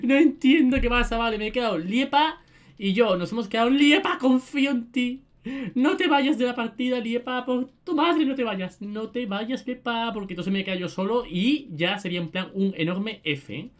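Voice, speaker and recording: A young woman with a Spain Spanish accent giving excitable let's-play commentary, shrieking and rattling off repeated words. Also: a little high, moderate pace. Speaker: gaming video creator.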